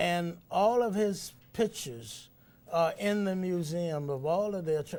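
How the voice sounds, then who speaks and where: On a very clean recording with a silent background, a man with a Southern US accent speaks at a high pitch, with lively intonation and a fairly slow pace. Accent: Southern US (Georgia). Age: 80s+. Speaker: retired university administrator. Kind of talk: TV interview. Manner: halting, repeats words.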